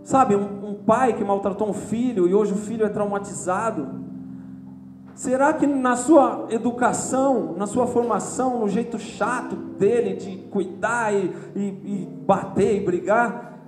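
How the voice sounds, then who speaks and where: A male preacher delivers a lively sermon, his voice sitting high for a man. He acts out the voices of churchgoers as he speaks. The church is roomy and echoing, with soft music underneath. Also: measured pace.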